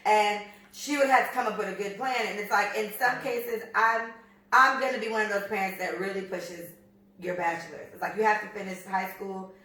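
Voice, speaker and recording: An American woman in her thirties co-hosting a podcast, talking bluntly and profanely in an animated, storytelling way. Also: mid-range voice, fairly quick, distant mic. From United States. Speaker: podcast co-host. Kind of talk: casual chat. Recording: echoey room, voice off-mic.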